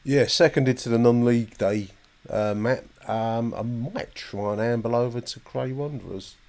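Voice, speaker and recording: A man's voice: medium pitch, normal speed, vocal fry, darkish tone, slight background noise. A man hosting a football podcast, rambling thoughtfully and often hesitating and repeating words.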